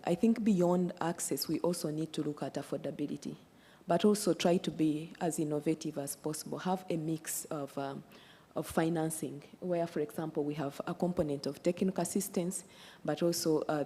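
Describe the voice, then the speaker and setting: A woman panelist with a very low, husky voice and a mellow tone. She speaks in a measured, deliberate way, and her voice carries a long reverb. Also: steady tone. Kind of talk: panel discussion remarks.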